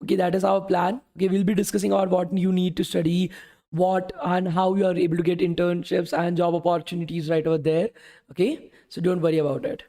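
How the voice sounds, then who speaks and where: Streaming a live coding lesson, the young bootcamp instructor speaks a little fast in a warm, high voice with a level tone, though it's worn from a full day of talking. Casual throughout, he takes questions from the chat and repeats "okay" and "guys."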